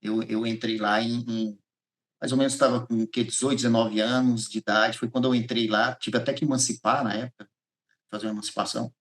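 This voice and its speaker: A man's voice: medium pitch, quick pace. A man with a Brazilian accent from Goiás, giving a personal testimony as a podcast guest, acting out dialogue and repeating phrases as he tells it. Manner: animated storyteller, repeats phrases, acts out dialogue.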